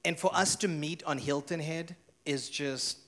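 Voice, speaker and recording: A man in his forties sits as an interview guest and tells his story in a lively way, laughing as he goes. His voice sits a little higher than most men's. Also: measured pace. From South Africa. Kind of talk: animated personal storytelling.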